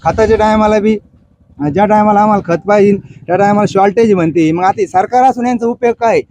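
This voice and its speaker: Man, quick, high voice, hesitant fillers, street interview. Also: a little mellow, poor audio. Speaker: villager interviewed.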